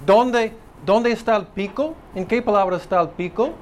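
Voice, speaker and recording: A man teaching a phonetics class, explaining slowly and thinking aloud with fillers. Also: high-pitched, slight background noise. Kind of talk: spoken lecture.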